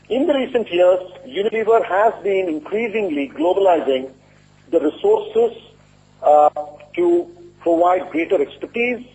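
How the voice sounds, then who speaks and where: A man speaking as a company executive, giving a formal, measured and deliberate earnings presentation. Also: on the high side, dark tone. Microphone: conference call line. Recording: muffled lo-fi conference call audio.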